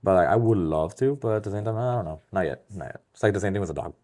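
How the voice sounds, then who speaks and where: A man with a hoarse, worn voice, chatting loosely and profanely on a podcast and dropping in Spanish phrases. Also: low-pitched, rapid-fire, warm tone. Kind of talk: casual podcast chat.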